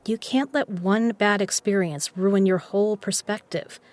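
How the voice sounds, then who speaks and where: An actress plays a self-assured woman in an audio drama, with a voice of medium pitch. She talks frankly and coaxingly, like family, with a teasing edge and real care underneath. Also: fairly even intonation, unhurried, darkish tone, natural voice. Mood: caring, insistent. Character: confident, teasing, caring woman poker player, the man's cousin.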